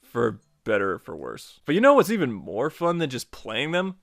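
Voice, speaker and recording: A man's voice: mid-range voice, huge pitch swings, moderate pace, vocal fry, fairly bright tone, no room sound, clean studio sound. A man hosting an online video, narrating a scripted promo in a playful, chatty, emphatic way. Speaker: YouTube host and tutorial creator. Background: music.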